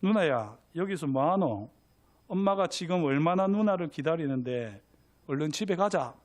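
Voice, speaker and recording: A man voicing a calm, clever little boy who speaks in Gyeongsang dialect, in a sermon story. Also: on the high side, moderate pace, natural voice. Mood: urging.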